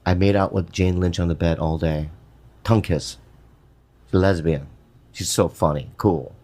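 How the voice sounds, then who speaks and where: Animated, laughing male storyteller. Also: low voice, normal speed. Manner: animated, laughs often, swears freely. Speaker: podcast host telling a story. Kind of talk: casual storytelling chat.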